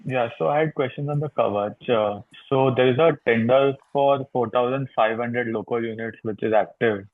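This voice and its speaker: A man's voice: medium pitch, moderate pace, hardly any pauses, no room sound. A man with an Indian accent on a phone call, asking probing questions as an analyst in a somewhat hesitant way. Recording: tinny narrow phone line.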